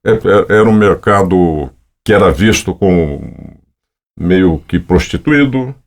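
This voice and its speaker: Man, 70s, from Brazil, lively animated delivery, casual anecdotes. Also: low-pitched, unhurried. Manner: rambling, anecdotal, with frequent fillers. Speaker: voice-over artist guest. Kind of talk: casual storytelling interview.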